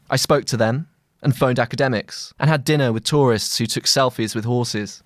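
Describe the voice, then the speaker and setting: A man with a mid-range voice reads a long-form journalistic essay. His phrasing is measured and deliberate, as scripted narration. The sound is dry, with little trace of the room. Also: mid-range voice, no room sound. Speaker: journalist narrating own long-read article.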